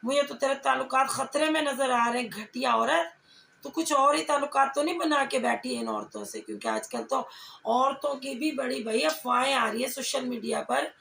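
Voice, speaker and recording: A reaction vlogger with a high, animated, gravelly voice and a fairly bright tone speaks at normal speed. She scolds and taunts in confrontational commentary, firing off pointed rhetorical questions. The recording has an echoey room and faint background noise.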